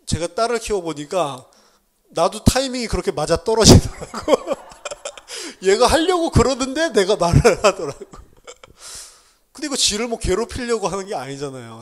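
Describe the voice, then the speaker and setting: A middle-aged man preaching a sermon in church, telling stories in a lively way and often laughing at himself. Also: high-pitched. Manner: animated storytelling with laughs. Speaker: pastor.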